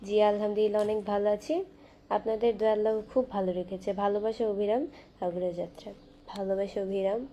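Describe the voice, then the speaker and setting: A young woman hosting a casual live stream from her phone, reading viewer comments aloud and chatting back in a soft, quiet voice. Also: mid-range voice, fairly even intonation, a little hiss or hum. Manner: soft-spoken, talking quietly and slowly. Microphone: phone camera.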